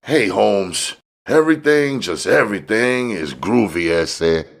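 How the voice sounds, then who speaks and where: A man's voice: fairly low pitch, expressive, a little slow, vocal fry, pitched above the performer's own voice. A man voicing a grinning, coaxing drug supplier in slangy, expansive talk for an audiobook. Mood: gleeful. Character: grinning, mellow, wheedling male drug supplier, street-slang hustler.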